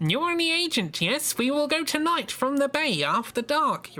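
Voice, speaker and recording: A high, nasal, put-on character voice at a moderate pace, with light background noise. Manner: brisk, curt.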